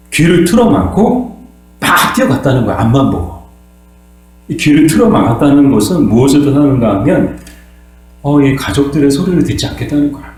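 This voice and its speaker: A man's voice: mid-range voice, darkish tone. A male pastor giving a sermon, posing questions to the congregation and answering them himself, and sometimes acting out voices. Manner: acts out voices and cries dramatically. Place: church sanctuary. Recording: very echoey room with mains hum.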